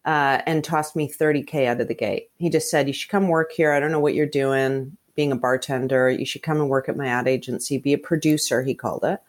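A woman in her fifties, born and raised in Canada, whose first language is Hungarian, talking in a deep, low register. She is the guest in a podcast-style interview and tells her story in a frank, chatty way, piling on asides as she goes. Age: 50s. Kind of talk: candid conversational interview.

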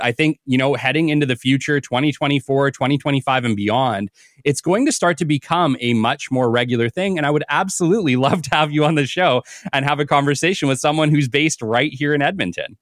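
A man's voice: fairly high pitch, brisk, dry recording, studio quality. A man hosting a business podcast, reading a polished guest introduction and then chatting in an upbeat, enthusiastic way. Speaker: podcast host. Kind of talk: scripted intro reading, then casual interview chat.

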